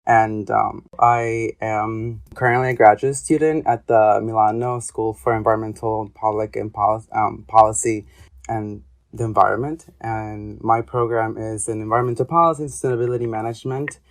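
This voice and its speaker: A man's voice: on the low side, little pitch movement, normal speed. A young adult man from Ecuador, an interview guest talking casually with hesitant, rambling speech and many fillers. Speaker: guest, artist and graduate student.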